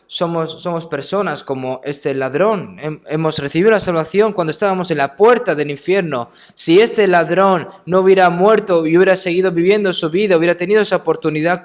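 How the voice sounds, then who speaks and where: A man preaching a sermon in a conversational way, often adding short questioning tags, softening and slowing down when telling stories. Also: a little high.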